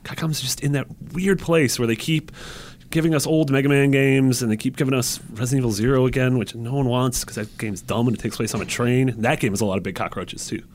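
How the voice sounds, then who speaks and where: A man's voice: mid-range voice, fairly even intonation, quick pace, a little hiss or hum. A man chatting casually and jokily about video games as a podcast panelist, with a wry manner.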